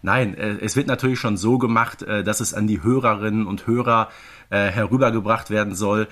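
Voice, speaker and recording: A man's voice: fairly low pitch, steady tone, a little fast, a bit bright. A man co-hosting a podcast, talking conversationally and explaining things with small asides. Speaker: podcast co-host.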